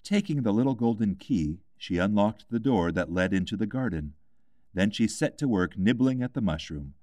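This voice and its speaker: A man's voice: lowish voice, expressive, normal speed, a little mellow, no echo, studio quality. A man reading a scripted children's classic as an audiobook narrator.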